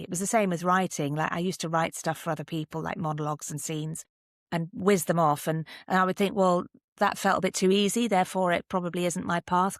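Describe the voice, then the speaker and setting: A woman's voice: on the low side, no room sound, clean studio sound. A middle-aged British woman talking conversationally as an interview guest, reflective and articulate as she shares advice. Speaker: podcast guest, actor and voice artist.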